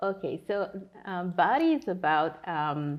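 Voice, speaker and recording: This speaker is a woman. She has a French accent. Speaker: singer. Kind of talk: interview. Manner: halting, many fillers.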